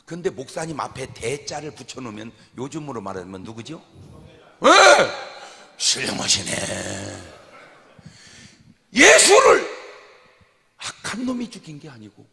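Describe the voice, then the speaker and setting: Animated preaching man in a reverberant hall. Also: medium pitch, a little fast, hardly any pauses. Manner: dramatic, shifts from hushed to shouting. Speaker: pastor. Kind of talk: sermon.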